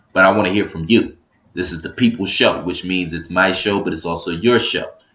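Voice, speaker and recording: Animated in tone, a man speaks at a fairly quick pace with a very deep, low pitch. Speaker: live stream talk show host. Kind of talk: live talk show monologue. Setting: home live stream. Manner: fast.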